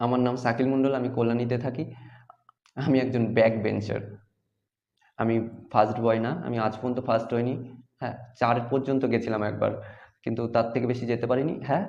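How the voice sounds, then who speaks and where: Monotone, flat intonation from a man at medium pitch, with audible room echo. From West Bengal, Nadia district (Kalyani). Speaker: online tutor. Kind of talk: casual Q&A talk to viewers. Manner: casual, conversational.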